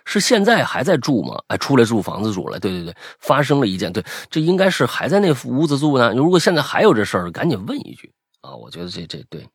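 A man's voice: medium pitch, wildly swooping pitch, fast talker, breathy edge, dry recording, clean studio sound. A man hosting a podcast, chatting casually and reading out listener stories, rambling with many restarts. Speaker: podcast host.

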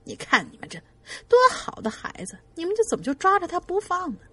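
A woman voicing a brisk, self-assured old village spirit medium of about seventy. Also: very high voice, wildly swooping pitch, a bit bright, no echo, pitched above the performer's own voice, heavily acted.

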